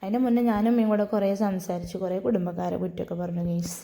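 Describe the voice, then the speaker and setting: A woman's voice: fairly low pitch, quick pace, mellow. A young woman, telling her day in a chatty, storytelling vlog voice-over. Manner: chatty, storytelling, frequent tag "ട്ടോ". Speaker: vlogger.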